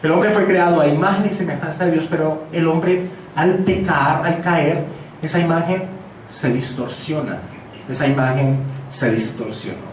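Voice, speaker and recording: A man's voice: fairly high pitch, normal speed, slight background noise. A man preaching an expository sermon as pastor, emphatic and repeating key phrases for stress. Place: church sanctuary. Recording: echoey church hall, mic from a distance.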